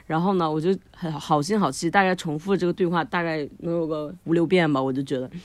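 Animated woman telling a story, dry sound. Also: sits low, quick pace, dry recording. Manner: animated, frequent laughter, many fillers. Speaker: podcast co-host. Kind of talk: casual storytelling chat.

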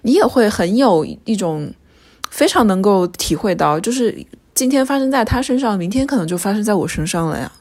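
A woman's voice: medium pitch, animated, fairly quick, a little mellow. Reflective woman in her thirties. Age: 30s. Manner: reflective, thinks aloud with restarts. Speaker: podcast co-host. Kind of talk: casual chat.

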